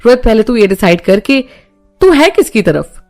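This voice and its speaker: Woman reading as a playful young man in love, raised and bright pitch, gravelly edge. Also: big pitch swings, moderate pace, faint music behind. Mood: teasing. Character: young male political leader in love, teasing.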